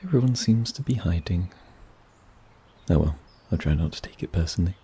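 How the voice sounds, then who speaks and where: A man playing a gentle, wary and kindly forest mage in a fantasy ASMR roleplay, soft-spoken and a little hesitant. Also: low-pitched, expressive, a little fast, breathy edge, exaggerated voice. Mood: relaxed, musing.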